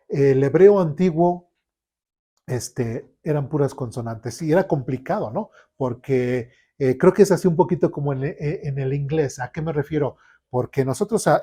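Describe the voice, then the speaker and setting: Mellow-voiced man teaching a Bible class, chatty and asking the class if they follow. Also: fairly high pitch, slightly rough. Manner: conversational, checks in with the class often. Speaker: Sunday school teacher. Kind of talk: informal Bible class lecture. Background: class recorded in a church room.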